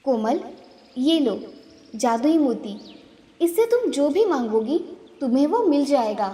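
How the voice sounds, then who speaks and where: A gentle forest fairy from a cartoon speaks calmly and reassuringly, as a woman acts her out. Her voice is fairly high, warm-hearted and motherly in manner. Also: measured pace, distant mic. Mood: kind. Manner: calm, reassuring. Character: kind forest fairy queen, calm and motherly. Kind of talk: cartoon voice acting.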